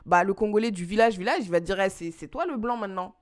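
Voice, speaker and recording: A woman from France co-hosting a podcast in casual chat, talking in quick rushes with colloquial slang. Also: medium pitch. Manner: animated, talks fast in rushes, colloquial slang. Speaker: podcast co-host.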